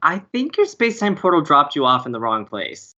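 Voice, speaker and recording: Playful young radio co-host played by a woman, animated, lowish voice, dramatic romantic streak, audio comedy. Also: a little fast, highs cut off, heavily acted. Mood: breezy, amused. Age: young adult. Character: breezy, theatrical young college radio co-host, hopeless romantic.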